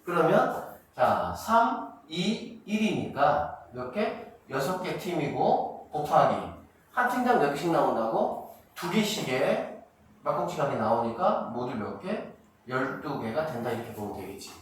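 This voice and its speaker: A middle-aged man giving a math lesson to middle school students, quizzing them and answering his own questions, drawing out key terms slowly. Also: fairly high pitch, sing-song. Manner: asks students questions and answers them himself, counts steps aloud. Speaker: math academy director teaching middle school. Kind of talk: classroom math lecture. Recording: echoey room, distant mic, faint noise.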